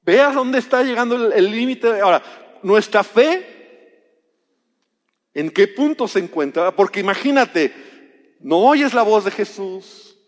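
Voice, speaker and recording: A man's voice: high-pitched, animated, measured pace, long pauses, long reverb tail. A man preaching a sermon in a conversational way, acting out biblical dialogue as he tells it.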